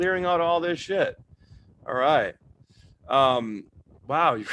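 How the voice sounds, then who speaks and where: A high-pitched man with an American accent at a fairly slow pace. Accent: Italian Boston. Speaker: astrologer. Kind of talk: live stream talk. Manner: casual, halting with fillers.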